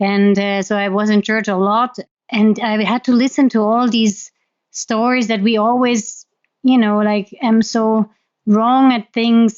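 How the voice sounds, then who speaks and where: With a German accent, a woman speaks in a flat monotone at a fairly slow pace, her pitch fairly high. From Germany. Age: 40s. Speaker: energy healer and coach. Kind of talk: podcast interview.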